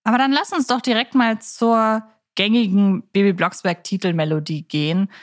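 A woman's voice: mid-range voice, steady tone, moderate pace, dry recording, studio quality. A woman co-hosting a casual podcast discussion, speaking in a reflective, opinionated way. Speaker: podcast co-host.

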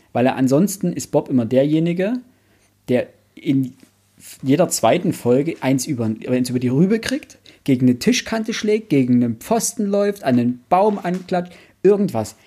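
A man's voice: medium pitch, warm tone. A man talking casually about a book as a podcast co-host, explaining and listing examples.

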